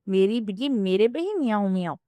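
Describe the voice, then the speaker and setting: A woman's voice: medium pitch, animated, dark tone, no echo, close to an everyday voice. Woman reading a teasing young husband. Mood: playful. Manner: joking, teasing delivery.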